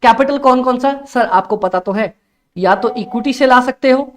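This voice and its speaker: A young man teaching a live-streamed online exam class, energetic and coaxing, who keeps repeating phrases and reads chat comments aloud. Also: very high voice, normal speed, slight background noise. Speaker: accountancy exam tutor.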